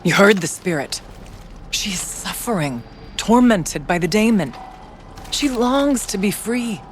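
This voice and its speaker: A man playing a solemn, wry tribal shaman in a video game, speaking in a measured, earnest, mystical way. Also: high-pitched, animated, a little hiss or hum. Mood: earnest, pleading. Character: solemn, wry Banuk shaman guiding an outlander. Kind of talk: dramatic video game dialogue.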